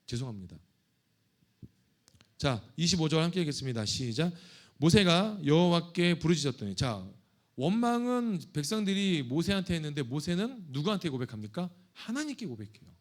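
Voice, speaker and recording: A male pastor delivers a sermon in a chatty, joking way, now and then turning confessional. His voice sits fairly high and moves with animated, lively pitch. He preaches from a church sanctuary. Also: brisk.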